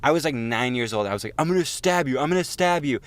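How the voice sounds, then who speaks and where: A young man with an average-pitched voice chats as a podcast co-host. He tells stories in a loose, digressive way. His manner is self-mocking and freely profane. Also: lively intonation, fast talker. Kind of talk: casual chat, rambling storytelling.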